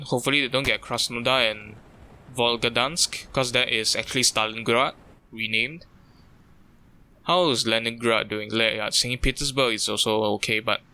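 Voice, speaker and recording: A man's voice: mid-range voice, pushed and bright, clear, resonant tone. A young man from Singapore, thinking aloud in loose, chatty let's-play commentary. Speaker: gaming YouTuber.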